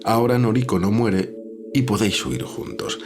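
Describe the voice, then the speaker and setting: A man playing a calm, analytical editor in an audio drama, speaking in a measured, reflective way. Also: on the low side, music in the background, natural voice. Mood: curious, analytical.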